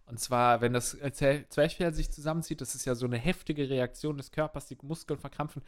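A man chatting loosely as a podcast co-host, rambling from one thought to the next. His delivery is casual and jokey, with a middle pitch for a man. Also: fairly even intonation, a little fast. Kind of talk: casual chat.

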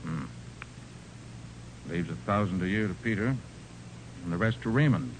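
An actor playing a brisk, confident male private detective in a 1940s radio crime drama. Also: low voice, expressive. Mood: brisk, probing. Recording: noisy 1940s radio recording.

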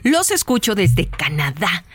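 A woman's voice: lowish voice, sing-song, measured pace, breathy edge, dry recording. A woman with a Mexican accent co-hosting a live radio news show, reading out listener messages with friendly asides. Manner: chatty, reads messages aloud with warm asides.

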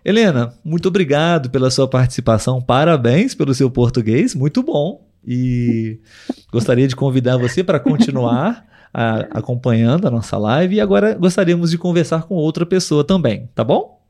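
A man hosting a live podcast, talking patiently and clearly with listeners over a video call. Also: medium pitch, lively intonation, darkish tone. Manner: patient, clear, slowed for learners. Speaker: podcast host.

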